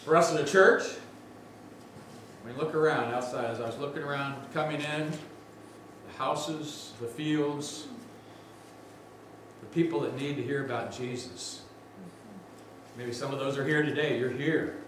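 A man's voice: medium pitch, unhurried, pauses often, background noise. Big-voiced man preaching in an echoing church. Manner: energetic, conversational preaching with asides. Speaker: guest preacher. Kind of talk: sermon. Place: large church sanctuary. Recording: very echoey church from a distance.

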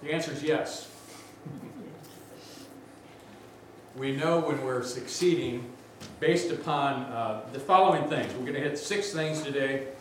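A man with a big voice preaching a sermon as a guest preacher, energetic and conversational, with asides to the congregation. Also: medium pitch, measured pace, pauses often, slight background noise. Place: large church sanctuary. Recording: very echoey church from a distance.

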